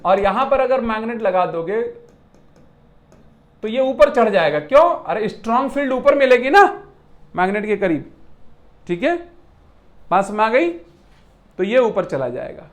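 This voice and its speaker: Physics lecturer, lively and repetitive, teases the class with analogies and quick check-in questions. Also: medium pitch. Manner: animated, repeats points with rhetorical questions and playful classroom analogies; mixes English technical terms into Hindi speech. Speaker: physics teacher.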